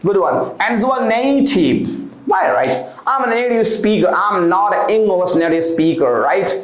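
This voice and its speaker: A man's voice: high voice, animated, unhurried, echoey room. A man from India with an Indian accent and Hindi as his first language, teaching English vocabulary by repeating each word in sample sentences and mixing in Hindi.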